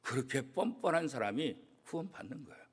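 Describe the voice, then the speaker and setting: A man, a church pastor, preaching a sermon with strong emphasis, swinging from loud declarations to hushed, almost whispered asides. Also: mid-range voice, very animated, fairly quick, husky. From South Korea. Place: church sanctuary.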